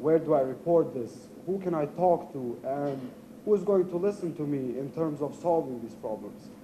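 The speech moves at a moderate pace with ordinary pitch variation over light background noise. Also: man. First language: not English (local Kosovo language). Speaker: project founder presenting a youth mapping platform; presenter. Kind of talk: presentation talk. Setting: stage with audience. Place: hall. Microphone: handheld.

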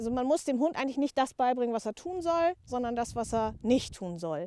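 Against a quiet background, with a dry sound and no echo, a woman speaks in a high pitch with very wide pitch swings. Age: 50s. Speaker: shepherd and dog breeder. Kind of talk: interview. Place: open country.

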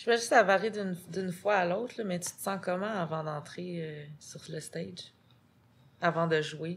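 A woman talks at a fairly slow pace in a somewhat breathy, fairly low voice with ordinary pitch variation. Her loudness swings widely, and there is light background noise. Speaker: podcast host. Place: studio. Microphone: studio mic.

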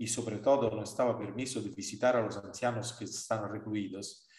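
A somewhat breathy man at a moderate pace, fairly low in pitch with fairly even intonation, with audible room echo against a quiet background. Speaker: interviewee. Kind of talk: interview answer. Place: office. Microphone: video call.

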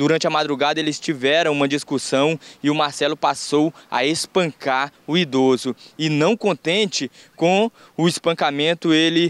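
This man talks at a moderate pace in an ordinary speaking voice, with fairly even intonation and a dry, close sound with no echo. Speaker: field reporter. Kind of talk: live news report. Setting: outdoors on location.

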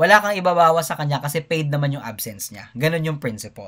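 In a very clean recording with a silent background, a man speaks in a bright, sharp tone with lively intonation. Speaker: accounting lecturer. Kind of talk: lecture. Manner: casual Taglish with frequent fillers.

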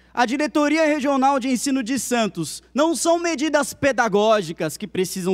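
Over a quiet background, a man speaks at an extremely high pitch and a fairly slow pace, with very wide pitch swings. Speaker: state legislator. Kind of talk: parliamentary speech. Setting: legislative chamber with audience. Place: hall. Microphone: podium.

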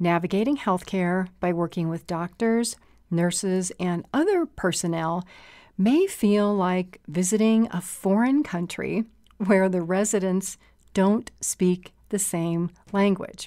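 Dark and mellow in tone, the voice moves at a very slow pace with ordinary pitch variation over a quiet background. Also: woman. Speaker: caregiving expert podcast host. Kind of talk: podcast monologue.

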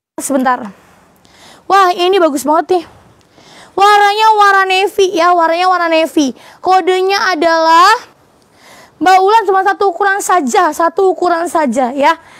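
With an animated tone and an extremely high pitch, a woman speaks at a moderate pace with ordinary pitch variation and long, frequent pauses. The sound is dry with no echo, and the background is quiet. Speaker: clothing seller. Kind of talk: live sales pitch. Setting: live stream. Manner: animated, chatty. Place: shop. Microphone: phone near.

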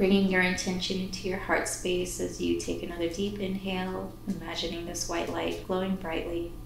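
Soft-spoken, a woman talks in a soothing, calm tone with hardly any pauses. There is audible room echo and light background noise. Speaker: meditation guide. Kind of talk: guided meditation. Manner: slow, soothing, calm and gently paced with long pauses; warm, inviting, soft-spoken. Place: home room.

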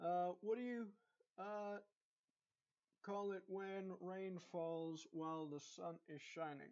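With an American accent, a woman speaks at a very slow pace, leaving long, frequent pauses against a quiet background. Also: fairly even intonation. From Dallas, Texas. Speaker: accent tag participant. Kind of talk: casual talk to camera, accent tag answers. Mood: relaxed, slightly hesitant. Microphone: webcam.

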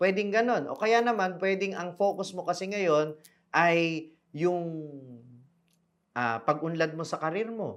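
In a quiet background, a man with a high voice talks at a fairly slow pace, his pitch varying in an ordinary way. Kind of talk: advice podcast monologue.

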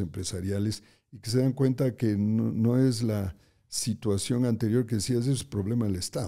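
On a very clean recording with a silent background, a man speaks in a dark, mellow tone at a medium pitch with ordinary pitch variation. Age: 70s. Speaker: entrepreneur. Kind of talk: interview. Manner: halting.

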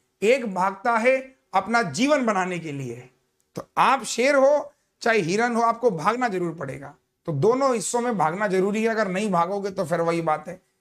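An animated tone at a fairly slow pace over a quiet background. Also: man, high pitch for a man, lively intonation. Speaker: maths teacher for exam preparation; online exam-prep teacher. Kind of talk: online lecture; lecture. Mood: motivational, animated. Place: studio.

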